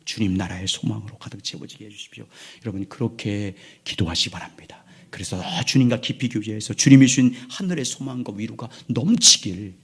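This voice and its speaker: A man in his sixties, a pastor preaching a sermon in a church, moving between loud emphatic lines and hushed, near-whispered ones. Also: fairly low pitch, fairly quick, few pauses, breathy edge. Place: church sanctuary.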